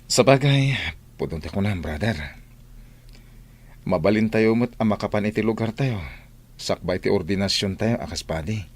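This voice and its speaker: An actor with an Ilocano Filipino accent playing a friendly, hopeful young seminarian in a radio drama, with some background noise. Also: male voice, fairly low pitch, expressive, normal speed, long pauses.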